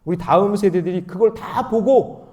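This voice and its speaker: A male pastor preaching at a dawn prayer meeting. He is animated, swinging from loud emphasis to quiet asides, and leads the congregation in reading scripture aloud. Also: high-pitched, normal speed.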